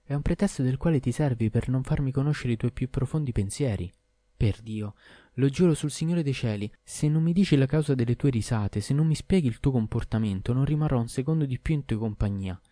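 A man voicing a merchant's insistent, demanding wife, in a shrill raised voice, reading an audiobook. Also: sing-song, fast talker, few pauses, warm tone, no echo. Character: insistent tearful merchant's wife, adult woman. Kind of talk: audiobook character voice.

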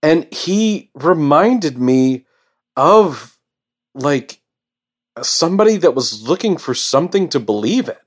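Excited man recapping an anime. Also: on the high side. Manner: enthusiastic, halting with fillers and restarts. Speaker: podcast co-host. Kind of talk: casual anime review chat.

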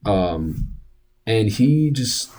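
A young man co-hosts a casual sports podcast. His voice sits a bit low, and he rambles animatedly, restarting sentences and piling on fillers as he goes. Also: very animated, drawn-out words, darkish tone. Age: young adult. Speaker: podcast co-host. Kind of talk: casual chat.

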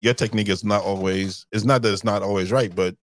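A man's voice: fairly low pitch, fairly even intonation, fast talker, no room sound, studio quality. A man hosting a podcast in a casual, friendly way, chuckling often and repeating himself. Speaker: podcast host. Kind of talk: casual chat.

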